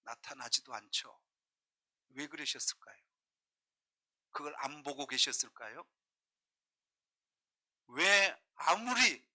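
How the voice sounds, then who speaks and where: Forceful, bright-voiced male pastor preaching. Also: fairly high pitch. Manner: emphatic preaching, questioning the congregation, swinging between loud and hushed. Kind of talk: sermon.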